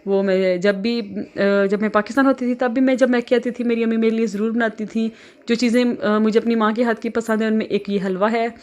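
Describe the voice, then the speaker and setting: A woman's voice: fairly high pitch, steady tone, a little mellow. Chatty Pakistani woman vlogging from home. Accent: Pakistani Urdu. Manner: chatty, many filler pauses. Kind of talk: casual home vlog.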